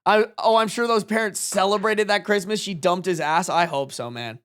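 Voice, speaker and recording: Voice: mid-range voice, moderate pace, a bit bright. A streamer in their twenties chatting casually to a live audience, with slangy, emphatic talk and frequent swearing. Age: 20s. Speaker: livestream host. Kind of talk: casual reaction stream chat.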